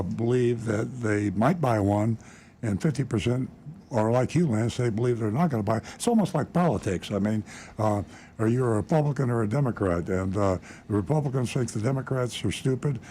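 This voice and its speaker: Older man hosting, mellow rambling talk. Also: medium pitch, a little hiss or hum. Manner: folksy, rambling explanation. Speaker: host. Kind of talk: radio talk show chat.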